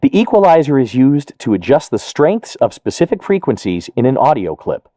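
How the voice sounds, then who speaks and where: A man narrating a software tutorial as an instructor, explaining each step methodically. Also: mid-range voice, big pitch swings, normal speed, no echo, studio quality. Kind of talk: instructional screen-recording narration.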